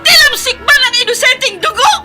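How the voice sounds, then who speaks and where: A woman's voice: very high voice, brisk, over music. An actress playing a young Muslim woman protesting with tearful passion in a radio drama. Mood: anguished.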